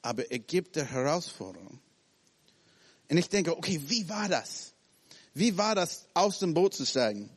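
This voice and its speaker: Animated preacher man in a reverberant hall. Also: a little high, unhurried, breathy edge. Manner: animated, acts out scenes in short broken phrases. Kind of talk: sermon.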